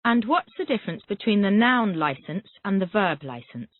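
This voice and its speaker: An English teacher runs a Callan method drill, reading out vocabulary words and then asking quick, repetitive questions. The voice is medium-pitched and very animated. The audio is tinny, phone-like and dry, with no echo.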